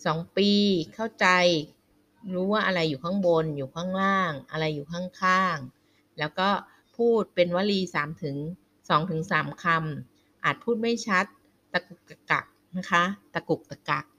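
A woman giving a slide lecture on children's language development, speaking politely with frequent soft sentence-ending particles and an occasional filler. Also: lowish voice, a little slow.

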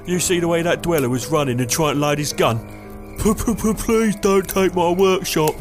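An actor playing a foul-mouthed, cocky raider thug with a British accent in a dark audio drama, coarse and mocking. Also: male voice, on the high side, normal speed, music in the background, close to an everyday voice. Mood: mocking, chummy.

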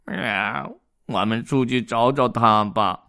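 A man's voice: medium pitch, slow, gravelly, bright, forceful tone, pitched above the performer's own voice, heavily acted. A man voicing a stern, grumpy house cat in a children's storybook, speaking curtly and adding meows. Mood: sad. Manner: curt, scolding, adds meows.

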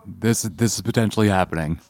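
Deep-voiced, punning podcast co-host. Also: male voice, a little fast, gravelly, no room sound. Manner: playful punning, deadpan jokes. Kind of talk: casual live commentary.

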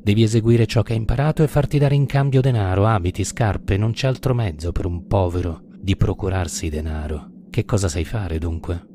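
A man's voice: lowish voice, a little fast, hardly any pauses, dark tone, slight background noise, lightly acted. Man putting on a teasing courtesan. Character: worldly graceful young woman courtesan, teasing.

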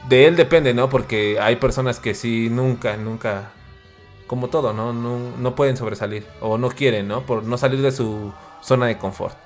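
A man's voice: medium pitch, normal speed. A Mexican man with a mid-range voice speaks earnestly in a casual chat. He stresses his ideas by saying them again and again. Faint music runs under his voice. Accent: Mexican Spanish.

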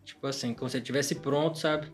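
A man's voice: medium pitch, steady tone, quick pace, soft background music. A man, a guest on a podcast, telling a personal story in casual chat, emotional and quoting himself often. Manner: emotional storyteller who peppers speech with "cara" and acts out dialogue.

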